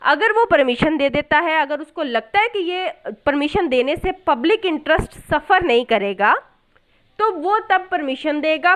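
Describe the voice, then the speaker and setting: Woman, very high voice, South Asian accent, teacher, step-by-step explaining, rhetorical questions, English terms mixed in. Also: fairly bright tone. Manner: code-switches between Hindi-Urdu and English terms. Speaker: law teacher. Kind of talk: explanatory lecture on statute articles.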